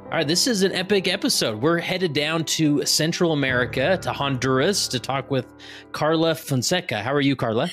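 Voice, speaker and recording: A man's voice: on the high side, normal speed, fairly bright tone, soft background music. A man hosting a podcast, talking in an upbeat, chatty way with frequent fillers and restarts. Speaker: podcast host. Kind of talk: casual interview and scripted promo read.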